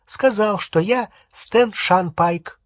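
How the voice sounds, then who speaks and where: A man's voice: high-pitched, slow, dry recording, studio quality, pitched above the performer's own voice. A man reading an audiobook, voicing a guilty teenage boy wizard who pleads and argues back. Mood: defensive pleading. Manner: pleading, then shouting back.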